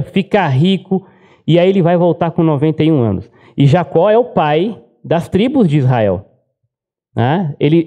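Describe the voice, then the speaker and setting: A male pastor preaches in a casual storytelling way, with a high-pitched voice. His tone is soft and mellow rather than sharp, and he keeps checking in with the congregation through quick tag questions. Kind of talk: sermon.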